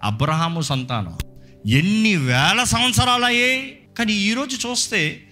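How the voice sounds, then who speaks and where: A man pastor delivers an animated sermon, slipping English phrases into his talk. His voice sits high and rings very bright. Faint music plays underneath. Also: unhurried.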